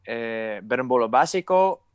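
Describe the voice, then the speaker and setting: A young man whose first language is English, speaking hesitant Spanish full of fillers and pauses as he searches for words, on a video call through an earphone mic. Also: medium pitch, expressive, clear, resonant tone, no echo, studio quality. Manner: gestures while talking. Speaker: guest. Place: room with curtain, indoors.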